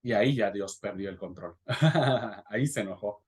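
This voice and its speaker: A man with a Rioplatense Spanish accent, a pastor teaching a Bible class in a lively way, often asking "right?" and acting out the voices he quotes. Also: fairly low pitch, moderate pace.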